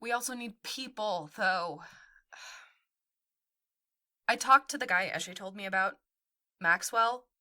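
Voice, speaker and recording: A woman's voice: mid-range voice, slow pace, long pauses, sharp tone. An actress playing a supportive, frank young woman in naturalistic audio drama dialogue. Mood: unsure.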